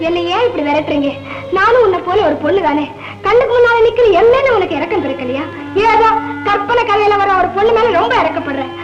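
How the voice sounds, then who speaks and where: Pleading young woman, earnest, very high voice, echoey 1960s film soundtrack, loud music. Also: animated, quick pace, muffled recording. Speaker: film character.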